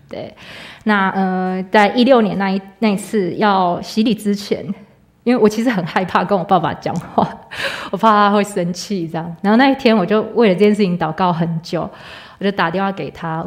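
Woman, 30s, Taiwanese Mandarin accent; church member sharing a personal testimony in relaxed, chatty storytelling. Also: lowish voice. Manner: conversational storytelling, filler "dui" and pauses.

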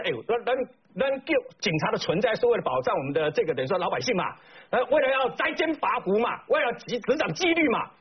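A man's voice: very high voice, breathy edge. A man with a Taiwanese Mandarin accent giving indignant talk show commentary, full of emphatic rhetorical questions. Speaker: political commentator. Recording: slightly dull broadcast audio.

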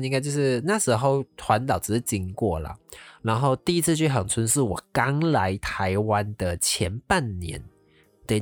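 A young man from Malaysia, casually telling a personal story as host, animated and sprinkling in English words. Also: on the low side, dry recording. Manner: animated, mixes English words into Mandarin, drawn-out exclamations.

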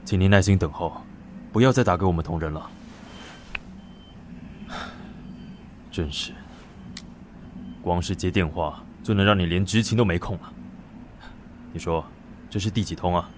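An actor playing a firm, world-weary but caring police squad leader in a Taiwanese-accented audio drama. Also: male voice, low voice, measured pace, pauses often, slight background noise. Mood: weary, admonishing. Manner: authoritative, instructing subordinates. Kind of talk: Mandarin audio drama acting.

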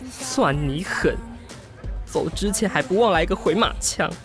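Jilted gay lover, wide swinging pitch, Taiwanese Mandarin, expressive, sarcastic, hot-tempered, radio drama, music underneath. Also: male voice, moderate pace. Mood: outraged, bitter. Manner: expressive, swearing, muttering to himself. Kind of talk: modern radio drama acting.

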